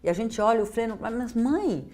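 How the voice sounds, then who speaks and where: A woman's voice: fairly high pitch, animated, moderate pace, warm tone. A Brazilian woman in an expert conversation, explaining as a specialist, repeating points for emphasis and acting out bits of dialogue. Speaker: interviewer and speech therapy specialist.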